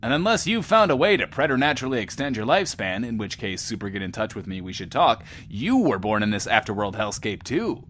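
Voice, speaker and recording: A man's voice: lowish voice, very animated, brisk, few pauses, a bit bright, slight background noise. A man playing a pompous, chatty post-apocalyptic radio host with a theatrical, self-important manner. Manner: theatrical, self-important, refers to himself in third person. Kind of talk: in-world radio show acting.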